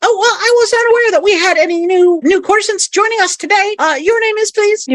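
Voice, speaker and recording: A squeaky, female-sounding put-on character voice at an extremely high pitch for a woman moves at a fairly quick pace over light background noise. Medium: actual play. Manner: polite, fussy.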